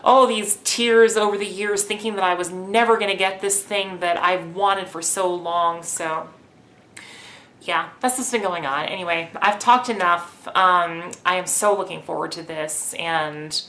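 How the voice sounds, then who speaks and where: A woman's voice: fairly low pitch, measured pace. Chatty young woman vlogging candidly. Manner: candid, chatty, excited with nervous laughs. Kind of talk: personal video diary.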